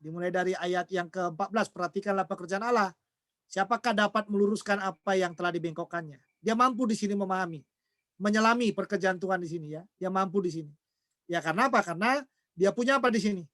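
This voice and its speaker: A man's voice: high-pitched, fast talker, a bit bright, dry recording, clean studio sound. A man preaching a sermon who keeps asking the congregation questions and then answers them himself. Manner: acts out everyday quarrels in quoted voices.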